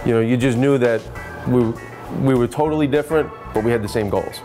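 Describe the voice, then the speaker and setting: A man in his forties, co-owner of a market and restaurant, talking in a relaxed, plain-spoken way in an indoor interview. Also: mid-range voice, fairly quick. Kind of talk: casual testimonial interview. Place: restaurant dining room, indoors. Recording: music playing underneath.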